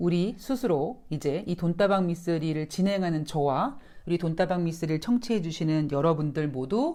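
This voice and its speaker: A woman's fairly low, dark and mellow voice, very slow in pace with lively intonation, on a very clean recording with a silent background. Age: 40s. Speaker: stock market commentator. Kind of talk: solo market commentary. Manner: animated.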